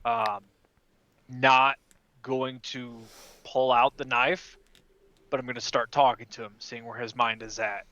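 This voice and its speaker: A man playing a tabletop game, working out his character's actions in halting improvised talk. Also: mid-range voice, fairly even intonation, pushed and bright. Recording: slightly dull, dry recording.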